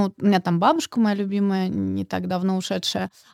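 Recorded very cleanly against a silent background, with a dry, close sound and no echo, a woman speaks at a fairly quick pace in a normal speaking voice of medium pitch. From Moscow region, Golitsyno. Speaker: PR agency founder. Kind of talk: interview conversation.

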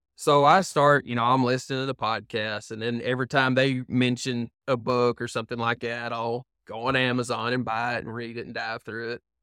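In a Southern US accent, the speaker goes at a fairly quick pace with hardly any pauses, a monotone, flat intonation and big swings in loudness, recorded dry and close with no echo, very clean against a silent background. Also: man, medium pitch for a man. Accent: Southern US, noticeable. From Arkansas. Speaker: regenerative farmer. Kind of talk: casual interview conversation.

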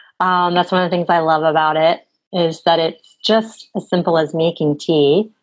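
A woman's unremarkable speaking voice, fairly low in pitch, with fairly even intonation, very even loudness and a moderate pace. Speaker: herbalist and women's health coach. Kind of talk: interview conversation.

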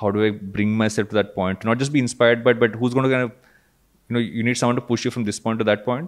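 The speaker has a South Indian accent. The pace is very fast. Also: man, medium pitch for a man, fairly even intonation, very clean recording, silent background. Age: 40s. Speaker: podcast host. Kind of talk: casual interview conversation.

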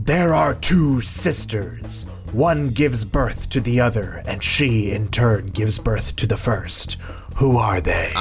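Clear music plays in the background as a man uses a put-on character voice. He speaks at a fairly slow pace and medium pitch. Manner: formal, pompous, dryly literal.

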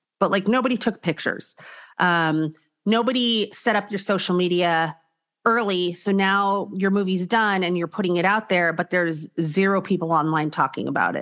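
A woman's medium-pitched voice with ordinary pitch variation at a moderate pace, on a very clean recording with a silent background. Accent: Californian. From Los Angeles, San Fernando Valley. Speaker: publicist and social media strategist. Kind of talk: interview conversation. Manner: animated.

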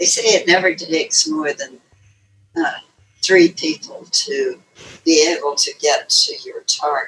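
A woman speaking at a fairly slow pace. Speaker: job search expert guest. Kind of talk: interview. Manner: measured, formal.

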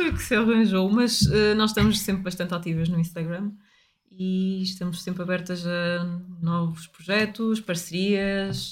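A somewhat breathy woman speaks at a fairly slow pace with fairly even intonation. The recording is very clean, with a silent background. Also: medium pitch for a woman. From Portugal, Chaves (Trás-os-Montes). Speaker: ceramic artist. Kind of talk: casual interview. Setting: pottery studio.

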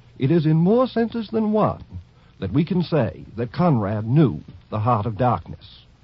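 A man talks fairly slowly with a fairly high pitch and a somewhat breathy sound. His pitch swings very widely. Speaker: intermission commentator, author. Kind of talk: scripted literary commentary. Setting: speaking from New York.

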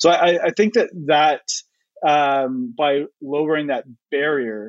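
A man with a Canadian accent speaks in a normal speaking voice, fairly high in pitch, with ordinary pitch variation. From Canada. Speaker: fintech founder and CEO. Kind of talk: panel discussion. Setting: video call.

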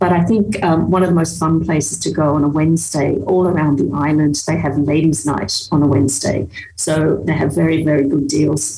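With an Australian accent, a woman speaks at a very deep, low pitch and very even loudness, with hardly any pauses. Noticeable background noise and audible room echo fill the recording. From Australia, Sydney. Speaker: expat PR consultant. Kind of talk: travel monologue.

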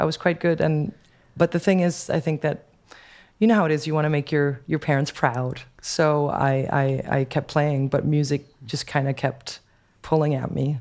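A woman speaks at a moderate pace in a very deep, low pitch. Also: fairly even intonation. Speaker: DJ, producer and singer. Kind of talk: casual interview chat. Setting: video call from Brazil.

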